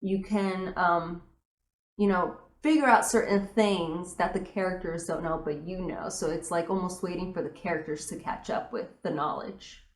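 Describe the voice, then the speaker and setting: A woman's voice: on the low side, steady tone, normal speed, roomy sound. A young woman, a teacher, chatting casually through a book tag with lots of fillers and emphatic opinions.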